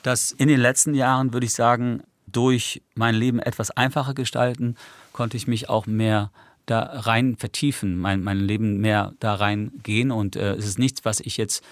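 A man's voice: medium pitch, steady tone, normal speed, no echo. A man whose first language is English, a musician guest in a radio studio interview, talking reflectively and rambling with many tag questions.

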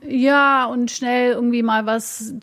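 A woman's voice: on the high side, fairly even intonation, slow pace, fairly bright tone. A woman whose first language is English, a food blogger answering radio interview questions thoughtfully, searching for words with fillers. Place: on location by a lake.

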